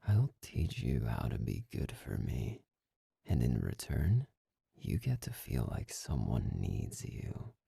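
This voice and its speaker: A man acting an arrogant, domineering master in an intimate ASMR roleplay, slow and condescending, with a breathy, gravelly voice that often drops into a whisper. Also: a bass voice, wildly swooping pitch, dark tone, no echo, studio quality, exaggerated voice. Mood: mocking, possessive. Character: arrogant, domineering young male master, cold and mocking.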